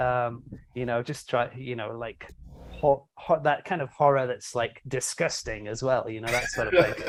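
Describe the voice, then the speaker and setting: Recorded very cleanly against a silent background, a man with a Yorkshire accent speaks at a moderate pace and a medium pitch. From northern England, North Yorkshire. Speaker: horror author. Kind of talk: casual interview chat.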